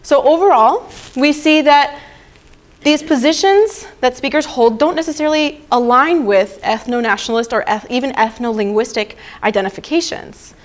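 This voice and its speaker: A woman's voice: sits high, normal speed. A young woman presenting research at a conference, explaining slides and checking in with "right?" and "okay?". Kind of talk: academic conference talk. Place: presentation room.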